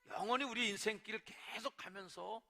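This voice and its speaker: Korean pastor, male, bright ringing voice, slightly high, lively sermon delivery in a reverberant church sanctuary. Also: a little fast. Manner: lively preaching, acts out angry outbursts to God.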